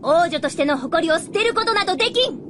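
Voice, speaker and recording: A woman's voice: very high voice, animated, fast, noisy background. A woman playing a proud young princess with haughty, archaic royal diction in a Japanese fantasy radio drama. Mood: proud, defiant. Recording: studio drama with music behind.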